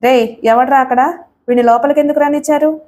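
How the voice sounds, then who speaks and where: A woman's voice: on the high side, moderate pace, warm tone, natural voice. A woman reading a sneering villain man. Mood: angry. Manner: taunting, sneering. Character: menacing young male villain, lustful and arrogant.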